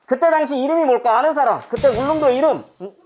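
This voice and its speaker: A woman's voice: sits high, quick pace, darkish tone. A woman teaching history to a class of children, telling the story and quizzing the pupils as she goes. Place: school classroom.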